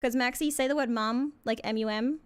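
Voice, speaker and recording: A woman's voice: fairly high pitch, a little fast, dry recording. A woman with an Australian accent, a streamer chatting casually and playfully with a co-host, often breaking into giggles. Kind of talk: casual chat.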